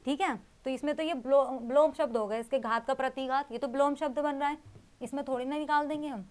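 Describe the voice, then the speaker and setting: A woman's voice: sits high, fairly even intonation, a little fast, darkish tone. A young woman teaching an exam-prep grammar lesson, explaining with rhetorical questions and repeating key terms.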